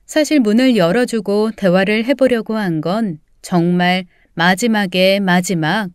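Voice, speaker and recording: Woman acting as wronged daughter, first-person audio story, smooth clear voice, medium pitch, measured, restrained, resolute, dry close sound. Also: darkish tone, no room sound, lightly acted.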